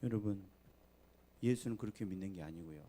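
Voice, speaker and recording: A man preaching a sermon in a church. He swings between soft, low asides and loud, emphatic appeals to the congregation. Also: fairly quick, slight background noise. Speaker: pastor. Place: church sanctuary.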